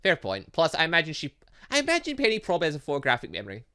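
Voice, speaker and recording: Animated, bright-voiced man doing a let's play. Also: a little high, racing, smooth. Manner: stumbles over long words, chatty asides. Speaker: gaming channel host. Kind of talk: let's play, reading game dialogue aloud with commentary.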